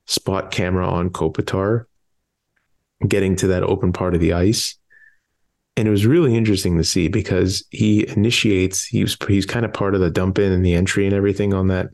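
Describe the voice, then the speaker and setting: Low voiced guy, kinda stuffy and losing his voice, easygoing sports podcast chat. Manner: rattles off lists of years and names, relaxed. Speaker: podcast co-host.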